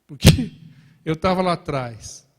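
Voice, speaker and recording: A man's voice: fairly high pitch, slow pace, big-room sound. A Brazilian man preaching in a church, with a Brazilian Portuguese accent, telling stories playfully and often calling out to the brothers in the congregation. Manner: lively, joking storytelling with repeated "irmãos" asides. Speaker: pastor. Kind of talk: sermon. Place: large church hall.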